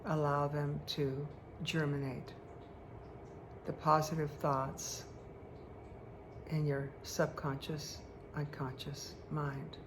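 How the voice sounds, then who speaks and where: Slow, low-creaking woman guiding meditation. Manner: slow, deliberate, soothing, with long pauses. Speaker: guided meditation leader. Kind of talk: guided meditation, hypnotic relaxation. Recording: clear steady background noise.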